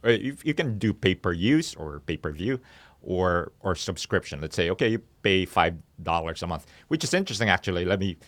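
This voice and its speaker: A man speaking as a company founder and interview guest in a studio, explaining in a halting way as he pieces his thoughts together. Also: low voice, sing-song, a bit bright. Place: podcast studio.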